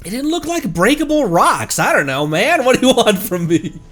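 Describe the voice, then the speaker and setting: A man's voice: sits high, very animated, moderate pace, fairly bright tone. A man doing casual, goofy livestream commentary while he plays a video game. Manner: playful, goofy, often parrots game characters. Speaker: streamer.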